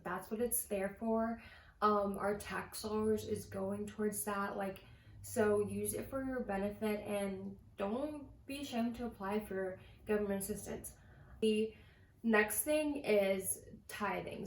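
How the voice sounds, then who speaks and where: A woman's voice: mid-range voice, vocal fry. A young woman vlogger talking casually to the camera about her budget, chatty and full of "like" fillers. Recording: echoey room with faint ambient noise.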